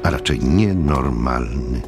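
A man with a deep gravelly voice narrating a scripted audiobook story. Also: lively intonation, slow, music in the background.

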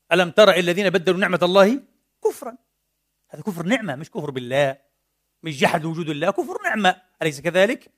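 A man preaching a mosque sermon, animated, firing rhetorical questions and swinging between loud and soft. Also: high voice. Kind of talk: Friday sermon.

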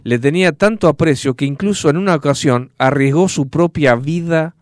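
A man's voice: fairly high pitch, normal speed, no echo. Male radio host, Rioplatense accent, casual storyteller, resonant and dry. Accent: Rioplatense Spanish. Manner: chatty, storytelling with many fillers.

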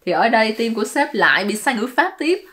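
A woman's voice: a little high, sing-song, brisk, sharp tone. A woman, giving casual, playful commentary as a YouTuber explaining her song-lyric translations and dropping English words into her talk.

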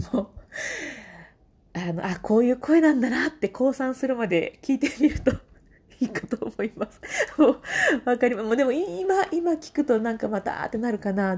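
A woman's voice: mid-range voice, dark tone, slightly rough. A woman hosting her own casual talk show, chatting alone, reading listener comments and laughing often. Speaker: podcast host.

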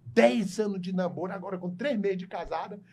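A worried mother talks her daughter down in a hushed, half-whispered tone, as a man plays her in a joke. She soothes and chides at once. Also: mid-range voice, fairly quick, slight background noise, pitched above the performer's own voice, natural voice. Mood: hushed scolding. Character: concerned middle-aged mother scolding her daughter.

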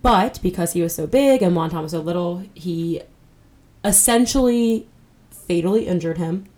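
A woman's voice: fairly low pitch, normal speed, warm tone. A woman with a nasal voice co-hosting a podcast in candid, casual chat. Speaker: podcast co-host.

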